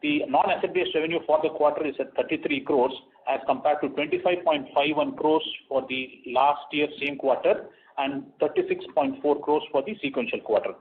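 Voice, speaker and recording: A man presents quarterly financial results over a conference call. He speaks in a measured way, with frequent "uh" fillers and restarts. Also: on the high side, steady tone. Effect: heard over a conference call line. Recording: tinny phone-line conference call audio.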